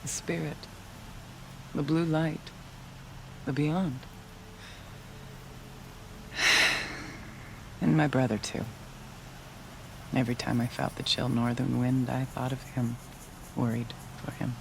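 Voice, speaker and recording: An actor playing a solemn, devout tribal shaman in a video game, speaking in measured, formal, reverent phrases. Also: medium pitch, flat delivery, vocal fry, slight background noise, poor audio. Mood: pensive. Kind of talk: dramatic video game cutscene acting.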